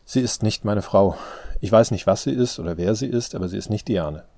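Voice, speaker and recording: A man with a low, dark voice playing a tired adult son who talks tersely and with strain, in an audiobook. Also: brisk, gravelly, dry recording. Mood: weary.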